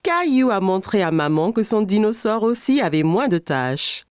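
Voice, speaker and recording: A woman narrating a scripted children's story with simple, clear storytelling phrasing. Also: medium pitch, big pitch swings, moderate pace, no echo, studio quality.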